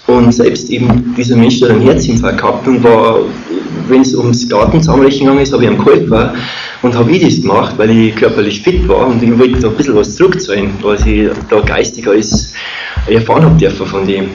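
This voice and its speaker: A muffled recording in an echoey room with clear noise carries a man speaking with an Austrian or Bavarian accent. He is middle-aged and tells his own story in loose, colloquial phrases, often halting and wandering as he goes. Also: mid-range voice. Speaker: speaker telling a personal testimony. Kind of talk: informal personal storytelling.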